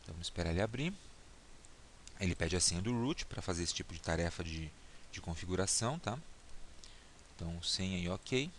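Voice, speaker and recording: Man narrating a software tutorial. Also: deep voice, brisk, pauses often. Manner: relaxed, frequent "tá?" checks, narrating each click. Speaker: instructor. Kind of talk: screen-recorded software tutorial. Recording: faint hiss and mouse clicks.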